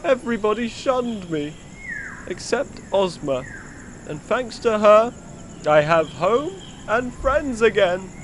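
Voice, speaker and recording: A man's voice: high voice, animated, slow, a little hiss or hum. A man playing a kindly, earnest, wronged man with a pumpkin for a head in an amateur audio drama. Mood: wistful storytelling.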